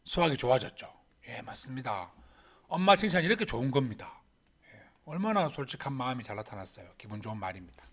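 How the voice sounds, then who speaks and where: A man's voice: mid-range voice, sing-song, fast talker, a bit bright. A middle-aged man teaching, reading students' poems aloud and commenting on each with frequent rhetorical questions.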